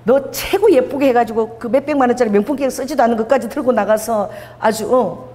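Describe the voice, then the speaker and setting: A woman pastor telling an animated story during a sermon, laughing at times. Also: fairly high pitch, brisk, big-room sound. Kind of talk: sermon testimony. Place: church hall.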